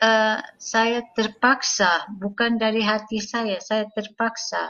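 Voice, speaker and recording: Speaking at a very slow pace, a woman uses a fairly high pitch and monotone, flat intonation. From Singapore, Malay-speaking. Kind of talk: testimony. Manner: halting, many hesitations.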